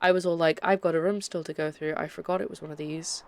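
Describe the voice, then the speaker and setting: A young Scottish woman chats casually while streaming a puzzle game, rambling and often cutting herself off mid-thought. Her voice is low-pitched and a little mellow, with fairly even intonation and a fast pace.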